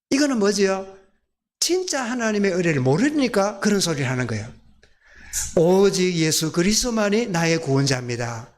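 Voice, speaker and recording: A male pastor with a Gyeongsang accent preaching a sermon in a folksy way, often asking his congregation questions. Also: high voice. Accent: Gyeongsang Korean.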